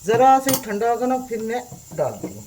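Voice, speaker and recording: A woman's voice: fairly high pitch, sing-song, a little fast, background noise. A older Pakistani Urdu-speaking woman with a sore, strained throat, hosting a home cooking tutorial in a motherly way that keeps saying "okay" to her viewers. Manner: motherly, calls viewers "beta", repeats "theek hai". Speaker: cooking channel host. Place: home kitchen at the stove.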